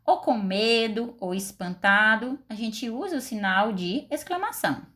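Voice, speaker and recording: Woman, teacher, Brazilian Portuguese accent, slow, expressive, questioning pupils. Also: a little high. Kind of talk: recorded class lesson.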